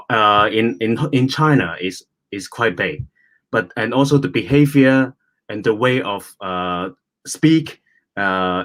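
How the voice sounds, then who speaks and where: Low-voiced man, halting English. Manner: halting, searching for words. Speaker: theatre company director. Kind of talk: casual interview talk.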